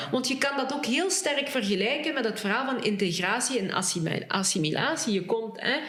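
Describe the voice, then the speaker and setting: A high-pitched woman talks fairly quickly with hardly any pauses, very wide pitch swings and very even loudness. Noticeable background noise and audible room echo fill the recording. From Congo, raised in Flanders. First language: Lingala (speaking Dutch). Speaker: historian and author on Congo. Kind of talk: podcast interview.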